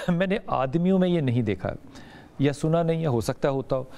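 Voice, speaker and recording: A man's voice: fairly high pitch, animated, normal speed, a little mellow. A man with a Pakistani Urdu accent hosting a live call-in health talk show, often breaking in with short agreeing interjections.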